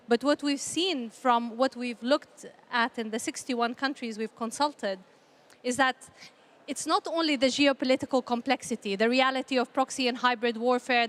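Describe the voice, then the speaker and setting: A woman from Palestine giving earnest, measured panel remarks in a formal style, often repeating phrases for emphasis. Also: fairly high pitch, fairly bright tone. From Palestinian, grew up in a conflict country. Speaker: panel speaker, peace initiative representative.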